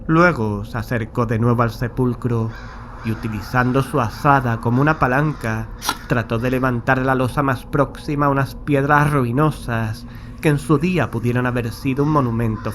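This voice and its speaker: An actor playing a haunted, nervous man who recounts a graveyard horror in a solemn, measured, literary way. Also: medium pitch, close to an everyday voice. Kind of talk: scripted horror audiobook narration. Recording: clear background noise and ambience.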